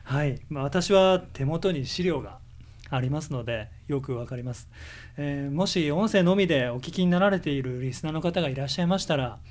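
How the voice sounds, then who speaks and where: A man's voice: on the high side, lively intonation, fairly quick. A man co-hosting a podcast, who speaks politely and formally to the listeners. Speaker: co-host. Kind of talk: podcast co-host remarks.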